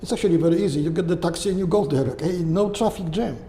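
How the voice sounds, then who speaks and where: An older Polish-accented man answers questions in a halting, searching way, checking in with "right?" as he goes. His voice sits a little high, yet it sounds soft and mellow. The room rings with a long reverb over a faint hiss. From Poland. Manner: halting, often tagging "okay?" and "right?". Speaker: guest. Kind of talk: conversational interview answers.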